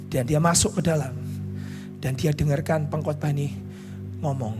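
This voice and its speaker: A man with an Indonesian accent preaching a sermon as pastor, telling a story that swings between hushed lines and shouted climaxes. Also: on the high side, fairly even intonation, moderate pace, over music. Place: church stage at a pastors' conference.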